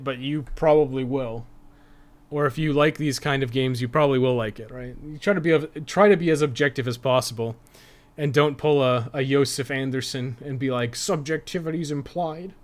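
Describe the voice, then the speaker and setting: A man chatting casually to his viewers as a game streamer, informal and freely swearing. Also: medium pitch. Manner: informal, foul-mouthed. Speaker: video game live streamer. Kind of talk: casual livestream chat with viewers.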